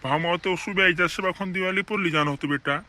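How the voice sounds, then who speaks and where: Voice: mid-range voice, fairly quick, sharp tone, natural voice. An actor playing an older, neighbourly village man in a cartoon comedy, with a rural Madhya Pradesh tribal accent. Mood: neighbourly, grumbling.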